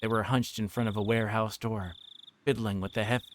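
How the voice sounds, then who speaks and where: A man's voice: on the low side, steady tone, brisk. A man reading a visual novel aloud on a livestream, narrating with occasional stumbles over words. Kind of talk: livestream read-aloud narration with character voices. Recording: clearly noisy background with clicks.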